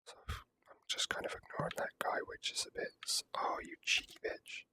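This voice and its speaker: This is a gaming creator doing ASMR commentary in a soft whisper. The whisper has a bright, crisp edge and never turns into full voice. The delivery is casual and unhurried, with the odd mild swear.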